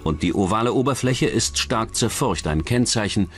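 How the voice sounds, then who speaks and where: Male narrator for scripted crime documentary, animated delivery, low register. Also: moderate pace. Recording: music bed under the voice.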